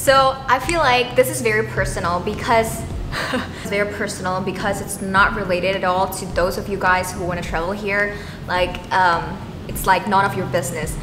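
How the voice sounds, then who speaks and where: A woman's voice: medium pitch, fairly even intonation, normal speed, roomy sound, long reverb tail, over music, rough recording. A woman from Indonesia, chatting casually to camera as a vlogger and often checking in with viewers. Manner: chatty, often asks viewers okay and right.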